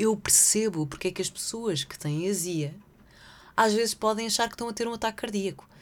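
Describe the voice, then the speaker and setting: The recording is very clean, with a silent background. A woman speaks at medium pitch and a fairly quick pace with ordinary pitch variation. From Portugal, Lisbon. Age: 30s. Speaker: podcast host. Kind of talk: casual solo monologue.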